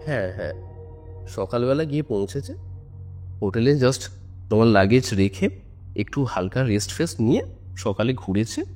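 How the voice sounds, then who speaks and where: A man with an average-pitched voice tells a story in colloquial, conversational language. He builds suspense as he goes, like a podcast storyteller. Music plays behind his voice. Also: animated, moderate pace, pauses often, darkish tone. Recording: music under the voice. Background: background music.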